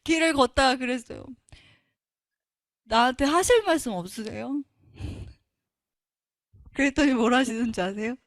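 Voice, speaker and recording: A woman's voice: high voice, normal speed, pauses often, dry recording, clean studio sound. A woman giving an earnest, emotional Christian testimony. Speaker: testimony speaker.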